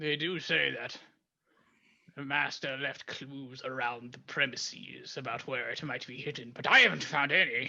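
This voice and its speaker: Putting on a character voice, a man uses a fairly high pitch and fairly even intonation. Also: moderate pace. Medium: actual play. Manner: formal, stiff.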